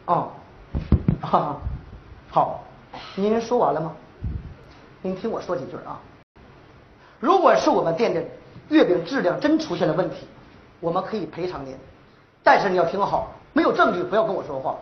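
A man's voice: on the high side, animated, slow, long pauses, a little hiss or hum. A young man, playing a brash, boastful boyfriend in a stage comedy sketch. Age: young adult. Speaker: daughter's boyfriend. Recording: roomy, dull stage recording.

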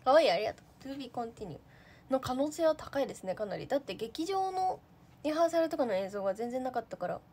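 A woman's voice: high voice, sing-song, fast, a little mellow, husky. A young woman, an idol trainee, chatting casually on a livestream, reading out viewer comments. She is talkative and giggly and uses a lot of fillers.

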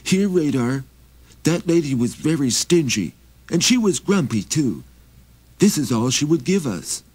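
A man voicing a poor, ragged young reindeer trainer who pleads politely in a high, quick, tumbling voice. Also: very animated, a little mellow, husky, no echo, heavily acted. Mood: chatty. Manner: pleading, fast tumbling words.

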